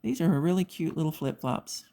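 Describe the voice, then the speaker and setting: A woman's voice: sits low, moderate pace, vocal fry. A middle-aged woman hosting a craft video, chatting casually and telling stories while she works on a diamond painting. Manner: chatty, animated storytelling with quoted voices.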